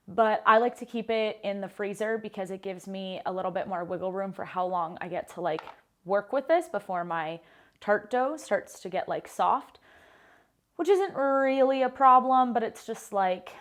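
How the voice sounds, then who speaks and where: American woman, 30s, pastry chef host; casual, friendly kitchen tutorial delivery, filler-heavy chat. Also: medium pitch. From United States. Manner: chatty, upbeat, frequent "like" fillers. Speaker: baker and pastry chef, cooking show host. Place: home kitchen.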